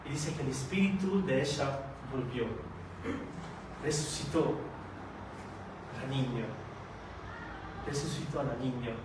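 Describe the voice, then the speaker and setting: A man preaching a sermon, speaking slowly and haltingly with frequent hesitations and rhetorical questions. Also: medium pitch, noisy background. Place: church meeting hall. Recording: echoey hall recorded from far off.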